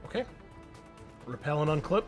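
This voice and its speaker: A man's voice: fairly high pitch, expressive, moderate pace. A man running a tabletop roleplaying game as game master, narrating and explaining rules in an encouraging, conversational way. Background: music under the voice.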